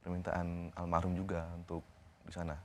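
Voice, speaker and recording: Young guy, really deep voice, talks kinda halting and casual, tells it step by step. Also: monotone, darkish tone. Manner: halting, informal, retells conversations step by step. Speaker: interview guest. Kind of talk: recounting events in a TV interview.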